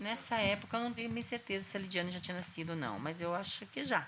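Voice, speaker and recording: Ordinary pitch variation runs through a woman's medium-pitched voice. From Brazil, Paraná, Rio Azul. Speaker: pesticide-poisoned former tobacco farmer. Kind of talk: documentary interview testimony.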